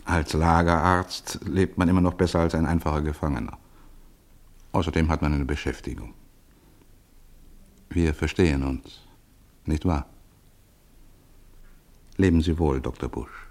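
A man playing a discreetly helpful, knowing professor in a German radio drama, speaking in a measured, confiding way. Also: a bass voice, fairly even intonation, a little mellow.

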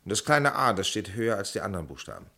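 Inquisitive man in a radio whodunit: low-pitched, emphatic, strongly varied melody. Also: very animated, fast, vocal fry, sharp tone, heavily acted. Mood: curious. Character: deep-voiced, inquisitive man piecing together a murder case. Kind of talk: German crime radio drama acting.

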